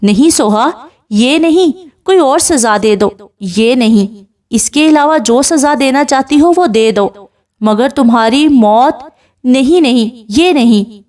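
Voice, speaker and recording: A woman's voice: high-pitched, animated, a little mellow, recorded from a distance. A woman voicing a remorseful, begging young man. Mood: pleading. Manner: pleading, tearful.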